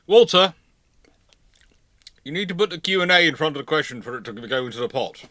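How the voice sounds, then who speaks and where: A man's voice: on the high side, animated, fairly quick, bright, forceful tone, no room sound. A man hosting a live history Q&A in casual, chatty style, with a teasing manner. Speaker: host of a live naval history Q&A stream. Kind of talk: casual live chat, answering viewer questions.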